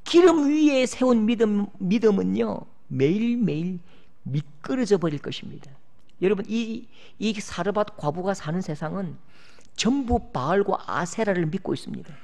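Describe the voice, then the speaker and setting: A middle-aged male pastor preaching a sermon, moving between loud pleading cries and quiet storytelling. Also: high-pitched, animated, moderate pace, creaky. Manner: impassioned, swings from loud cries to hushed storytelling.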